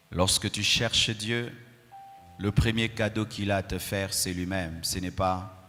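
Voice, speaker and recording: Music plays in the background as a man with a very deep, low pitch speaks with fairly even intonation. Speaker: pastor. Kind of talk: sermon. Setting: church service. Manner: slow; calm, not shouting.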